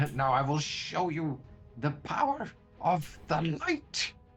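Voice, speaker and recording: A shrill, put-on character voice from a man, with faint music in the background. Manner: threatening, boastful.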